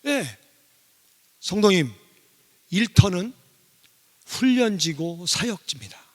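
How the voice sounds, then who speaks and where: A middle-aged man giving a sermon testimony as a guest revival speaker. He speaks in an animated way and poses questions to the congregation. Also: sits high, takes it slowly. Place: church sanctuary. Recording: long reverb of a church hall.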